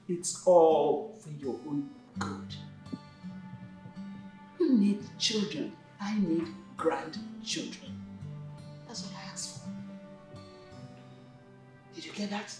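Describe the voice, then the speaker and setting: A woman's voice: lowish voice, roomy sound. A woman playing a bossy mother. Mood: weary. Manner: scolding, bossy. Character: domineering middle-aged mother demanding grandchildren. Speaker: actor. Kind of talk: melodrama acting.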